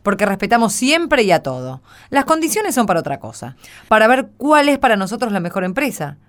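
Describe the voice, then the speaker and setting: A woman's voice: mid-range voice, sing-song, fairly quick, lightly acted. An actress playing a frank, spirited neighborhood woman in a radio play, emphatic and wry. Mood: firm. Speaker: actor in radio drama. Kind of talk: Spanish-language radio theatre acting.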